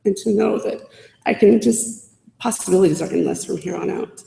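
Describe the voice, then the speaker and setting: A woman student leader giving a heartfelt speech to college faculty, halting now and then with fillers and restarts, into a podium microphone in a large civic hall. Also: mid-range voice, vocal fry, heavy background noise. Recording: echoey hall with long reverb.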